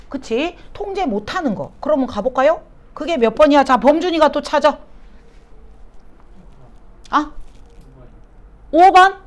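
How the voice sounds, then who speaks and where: A woman teaching English exam questions. She keeps asking her students questions and then answers them herself, and she drops English phrases into her explanations. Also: high-pitched.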